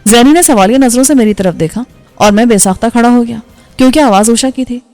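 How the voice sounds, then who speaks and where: A woman storyteller narrating a novel in a steady, even reading voice. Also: on the high side. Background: faint background music.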